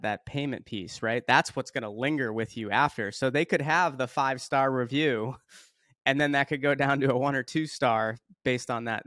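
A man's voice: medium pitch, a bit bright, dry recording, studio quality. A man hosting a podcast, asking questions in an upbeat way and often repeating words as he frames them. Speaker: podcast host. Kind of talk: conversational podcast interview.

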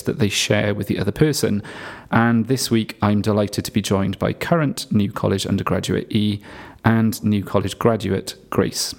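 A man hosting a podcast, reading a scripted introduction and asking measured, polite questions. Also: on the low side, gravelly. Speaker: podcast host.

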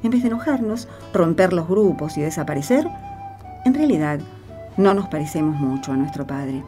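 A woman's voice: low-pitched, lively intonation, normal speed, dark tone, faint music behind. A woman with an Argentine accent speaking in a conversational radio drama style. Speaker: cast member of a religious radio show.

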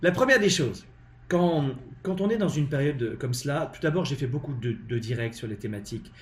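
A man from France with a French accent, hosting a live-streamed motivational talk on leadership from home, emphatic and animated with lots of hesitant fillers. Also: a little high, fairly quick, echoey room, a little hiss or hum. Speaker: leadership coach and live show host.

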